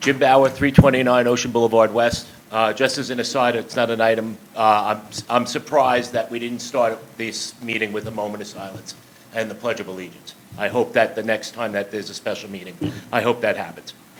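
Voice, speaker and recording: In a Northeastern US accent, a man speaks at a fairly quick pace and medium pitch with fairly even intonation. Noticeable background noise can be heard. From US Northeast. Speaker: resident giving public comment. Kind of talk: public comment at town meeting. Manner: halting, many fillers and repeats.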